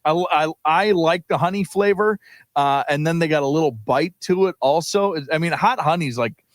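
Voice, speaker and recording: A man, co-hosting a morning sports radio show and telling stories with excitement and frequent laughter. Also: fairly high pitch, moderate pace, dry recording. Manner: excited storytelling, laughs often. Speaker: co-host. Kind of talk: casual sports radio chat. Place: radio studio.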